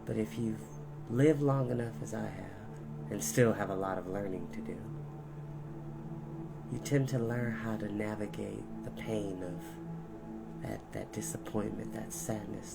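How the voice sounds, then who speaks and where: A man hosting a storytime, speaking in a reassuring, expressive manner as he reads and chats. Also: on the low side, gravelly. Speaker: storytime host and reader. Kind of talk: audiobook-style storybook reading with chatty intro. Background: music.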